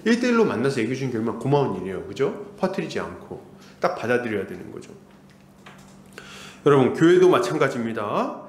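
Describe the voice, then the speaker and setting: A man's voice: medium pitch, sing-song, a little fast, roomy sound. A man preaching a sermon as pastor, acting out the voices of church members he quotes. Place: church sanctuary.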